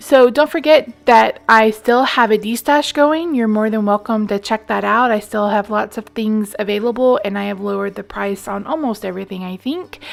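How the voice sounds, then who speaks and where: This is an ordinary speaking voice moving at a moderate pace with hardly any pauses and ordinary pitch variation. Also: woman, fairly high pitch for a woman. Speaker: card making crafter. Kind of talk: tutorial. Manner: casual, chatty.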